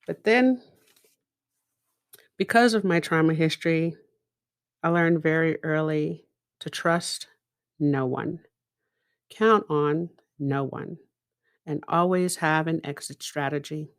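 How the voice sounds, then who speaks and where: A middle-aged woman from Israel, a native Hebrew speaker, giving a reflective personal monologue in a deliberate manner with dramatic pauses and rhetorical asides. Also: low voice, dry recording, studio quality. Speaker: podcast host and speaker.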